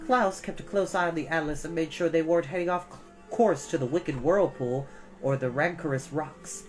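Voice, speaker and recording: Low-voiced woman reading a storybook. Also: normal speed, darkish tone, soft background music. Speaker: storytime reader and host. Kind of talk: expressive read-aloud storybook narration.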